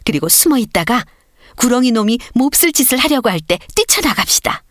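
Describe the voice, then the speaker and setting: A woman's voice: on the high side, very animated, fairly quick, a bit bright, dry recording, clean studio sound, pitched above the performer's own voice. A woman voicing an indignant adult sparrow in a storybook, rousing and resolute as it rallies the villagers. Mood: resolute, rallying.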